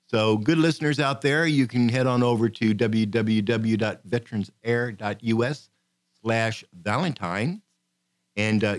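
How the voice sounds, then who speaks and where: A man's voice: on the low side, no echo. A man hosting a community radio talk show, joking and chatting casually. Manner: joking, chatty, stumbles over words.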